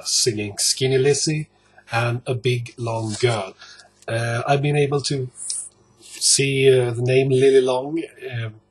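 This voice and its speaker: Husky-voiced, halting man from Sweden. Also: mid-range voice. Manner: hesitant, halting, searching for words. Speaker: record collector presenting a video blog. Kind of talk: casual show-and-tell talk.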